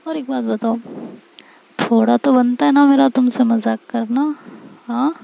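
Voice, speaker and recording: A woman's voice: a little high, fairly even intonation, unhurried, gravelly, warm tone, low-quality recording. A woman voicing a playful young woman who teases and coaxes her upset wife in a pleading, sing-song way. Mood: coaxing.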